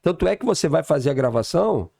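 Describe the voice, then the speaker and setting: A man's voice: on the high side, sing-song, fast talker, vocal fry, mellow, dry recording, studio quality. A man, a samba songwriter chatting and telling stories on a podcast. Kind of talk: casual podcast chat.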